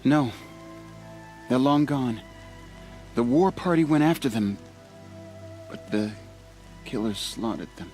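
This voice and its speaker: An actor playing a humble, earnest young tribal stitcher in a video game, soft-spoken, sincere and a little hesitant. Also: male voice, medium pitch. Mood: grave warning. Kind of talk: video game cutscene acting.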